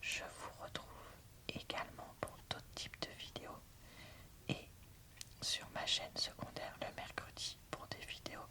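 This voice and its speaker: A woman whispering an ASMR book review in a soft, breathy, informal and slightly hesitant way. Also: a little slow.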